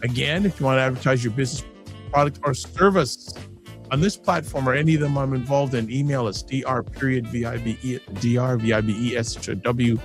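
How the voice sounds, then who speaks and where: A man's voice: mid-range voice, brisk, soft background music. A man hosting a live-streamed talk show, chatting casually and animatedly, often cutting himself off and joking. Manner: animated, self-interrupting, jokey. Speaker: host.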